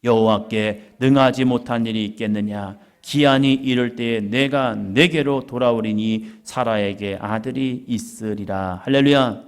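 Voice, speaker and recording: A male pastor preaching, acting out scripture dialogue in a slow, drawn-out, homey voice. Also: medium pitch, steady tone, smooth. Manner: dramatizing God's words in a slow, drawn-out homey voice. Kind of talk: sermon.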